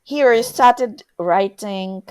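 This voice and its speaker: A woman's voice: mid-range voice, slow pace, a little mellow, clean tone. A woman in a casual chat as a podcast co-host, speaking in a hesitant, self-effacing way.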